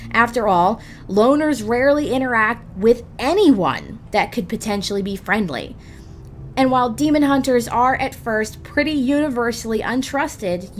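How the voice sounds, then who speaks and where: A woman's voice: mid-range voice, a little hiss or hum. A woman hosting a scripted gaming guide, addressing the listener directly with emphatic phrasing. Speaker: video guide host. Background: music behind the voice.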